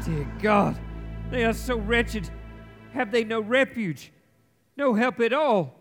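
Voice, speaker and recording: A man's voice: very high-pitched, expressive, takes it slowly, exaggerated voice. A man playing a frightened, humbled old miser in a live radio play, earnest and pleading in a theatrical manner. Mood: appalled pleading. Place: theatre stage before live audience. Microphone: shared stage microphone. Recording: stage recording with loud music behind.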